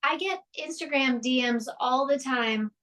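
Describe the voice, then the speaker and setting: A voice actress with a Houston accent chatting as a podcast guest, rambling with fillers and restarts. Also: female voice, high-pitched, measured pace, a bit bright. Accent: Houston, Texas. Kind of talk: casual interview chat.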